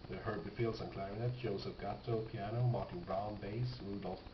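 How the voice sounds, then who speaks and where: Showing off his record collection, this man thinks out loud in an offhand way, frequently questioning himself as he goes. He talks fairly fast in a lowish, mostly even voice, captured on a muffled, noisy, roomy lo-fi recording.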